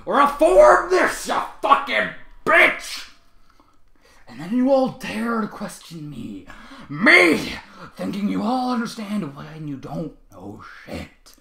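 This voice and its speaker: A man's voice: very high voice, very animated, a little fast, fairly bright tone, pitched above the performer's own voice, exaggerated voice. A man voicing a volatile, foul-mouthed human man who screams and swears in long rants, recorded in an echoey room. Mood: raging.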